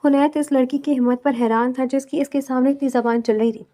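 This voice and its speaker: A woman reading a romantic novel aloud as a storyteller, in a steady, even style. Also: sits high, fairly quick. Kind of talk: scripted novel narration.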